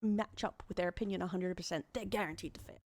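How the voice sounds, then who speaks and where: A woman's voice: fairly low pitch, steady tone, fast talker, a little mellow. A woman with an Australian accent giving casual, rambling streaming commentary.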